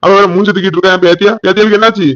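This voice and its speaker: A nagging old village grandmother from a cartoon, voiced by a man, fussing over everyone in a fairly high voice. She speaks in a Tirunelveli Tamil accent. The track is dry and dull. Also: fairly even intonation, very fast, fairly bright tone, dry recording.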